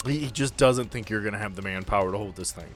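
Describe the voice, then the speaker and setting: A man's voice: lowish voice, quick pace, faint music behind. A man narrating a tabletop roleplaying game as game master in a casual, joking way.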